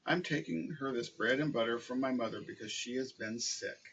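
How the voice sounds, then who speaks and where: A man's voice: medium pitch, fairly quick, vocal fry, fairly bright tone, far from the mic, highs cut off, a little hiss or hum. A man voicing a cheerful, polite little girl in a red hood for a read-aloud story. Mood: eager.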